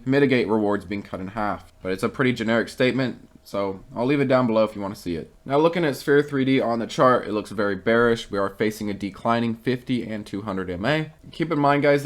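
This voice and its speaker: A man who is losing his voice talks casually through stock charts and market news for his viewers, reading out a company statement and then giving his own opinions. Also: medium pitch. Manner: conversational, reads quotes then gives opinions.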